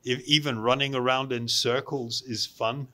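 A man giving an instructional spiritual talk to a group as a meditation teacher, speaking deliberately in short phrases with pauses. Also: medium pitch, steady tone, pushed and bright.

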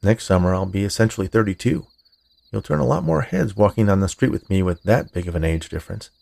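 A man voicing a gentle, self-sacrificing young man in love, in a narrated story, with a hesitant manner. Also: fairly low pitch, lively intonation, quick pace, gravelly. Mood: fond. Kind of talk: storybook character dialogue in narration.

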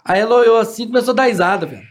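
Fast-talking high-voiced Brazilian man. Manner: fast, crude storytelling with sudden outbursts from tics. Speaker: podcast guest. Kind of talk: casual podcast chat.

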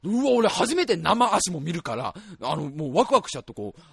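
Lively high-voiced excitable male storyteller. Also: a little fast, creaky. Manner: excitable, exaggerated comic storytelling. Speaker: podcast radio host. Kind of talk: comic storytelling chat.

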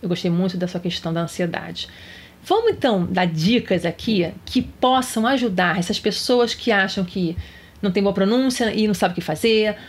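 A woman's voice: mid-range voice, expressive, moderate pace, slightly rough. A woman hosting a podcast interview, summing up points and asking her guest questions. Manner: guiding, sums up and asks questions. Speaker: podcast host, teacher.

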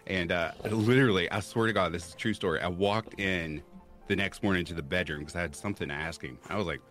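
A man's voice: sits low, fast talker, soft background music. A man chatting casually on a livestream, telling childhood stories with exaggerated quoted voices. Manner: animated storyteller, jumps into exaggerated quoted voices. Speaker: podcast guest. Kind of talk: casual chat, storytelling.

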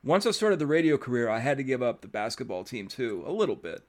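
A young man hosting a podcast in a casual interview chat, relaxed and talkative, letting his thoughts trail off. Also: mid-range voice, fast. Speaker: podcast host.

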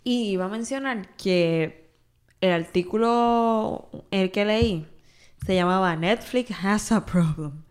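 A woman's voice: medium pitch, takes it slowly, clean tone. A woman co-hosting a podcast in a chatty, casual way, mixing English words into her Spanish. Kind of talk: casual chat.

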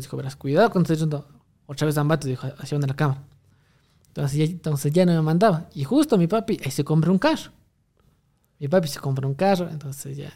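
A man's voice: a little high, mellow. A young man, rambling through a story in casual chat, full of restarts and fillers. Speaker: guest telling a story.

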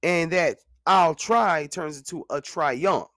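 This man in his thirties has a fairly high, slightly bright voice and speaks slowly, recorded clean in a studio with no room sound. He talks casually and earnestly about his own experience as a podcast host, repeating lines for emphasis and tossing in "man" and "you know what I'm saying." It's a casual monologue.

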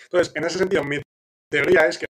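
Man, podcast host, live Q&A, husky, slightly high voice, hesitant, thinking aloud. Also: steady tone, quick pace, fairly bright tone. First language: Spanish. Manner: thinking aloud, frequent restarts and fillers; explanatory, checks in with listeners. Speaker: podcast host answering listener questions. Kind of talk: live question-and-answer session.

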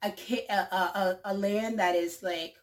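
A woman's voice: medium pitch, steady tone, measured pace. Woman, young adult, upbeat vlog host, repeats words, lots of fillers. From Liberia. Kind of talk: casual talk to camera. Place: Canada.

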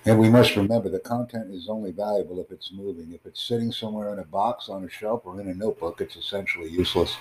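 A man hosting an online voice chat, talking in a formal, measured, promotional way. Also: sits low, slight background noise, poor audio. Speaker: host of online conversation. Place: in the United States.

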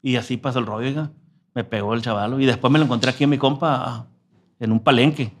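A man's voice: medium pitch, steady tone, fast talker. A man from telling a story in a casual interview, slangy and profane. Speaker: musician guest.

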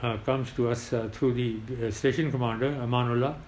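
An older man with a South Asian accent, a retired pilot recounting war memories in an interview in a halting, emphatic way. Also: medium pitch, steady tone, darkish tone, roomy sound. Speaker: retired air force pilot. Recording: clearly noisy background.

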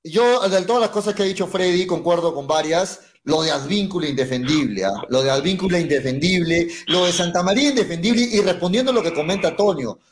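A man hosting a radio sports talk show, moderating calmly and asking questions. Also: high-pitched, fast, few pauses. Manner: calming, questioning.

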